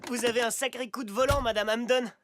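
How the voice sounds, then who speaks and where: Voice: mid-range voice, fairly even intonation, quick pace, very noisy, natural voice. An actor voicing a polite, eager preteen boy in a French cartoon dub. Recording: loud music behind the voice.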